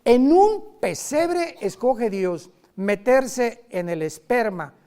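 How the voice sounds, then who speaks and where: A man preaching a sermon in a lively, conversational way, with sudden loud emphasis and quick asides. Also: very high-pitched, clear, resonant tone.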